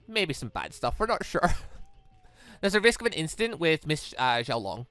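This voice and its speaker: Gamer reading visual novel lines n rambling, swoopy pitch, dry close mic, bit of music behind. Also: big pitch swings, moderate pace, fairly bright tone, dry recording. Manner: rambling, thinks aloud, often repeats and rephrases. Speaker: let's play host. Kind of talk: casual gaming commentary, reading visual novel dialogue aloud. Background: game music.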